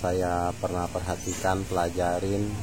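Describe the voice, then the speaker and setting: Low-voiced man vlogging over loud noise. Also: monotone. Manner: informal, halting, repeats himself. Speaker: bird keeper and video host. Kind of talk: casual tips vlog. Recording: very noisy, traffic and animal sounds.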